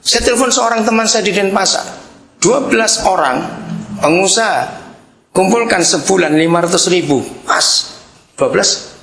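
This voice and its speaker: A man preaching a sermon, teasing and quizzing his congregation, with sudden loud outbursts. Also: high voice, lively intonation, moderate pace, vocal fry, pauses often, roomy sound. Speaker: pastor.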